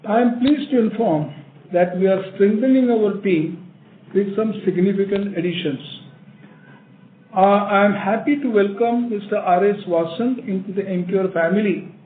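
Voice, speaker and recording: High-voiced Indian-accented man on echoey phone line. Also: moderate pace. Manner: emphatic, repeats phrases for stress. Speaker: company chief executive. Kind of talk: prepared earnings call remarks. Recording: echoey narrow phone line, faint noise.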